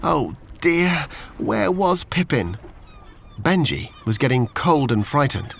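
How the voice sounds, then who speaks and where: A man's voice: on the high side, sing-song, slow, creaky, a bit bright, slight background noise. A man with a British accent reading a scripted children's story, expressively, as a storyteller to young children.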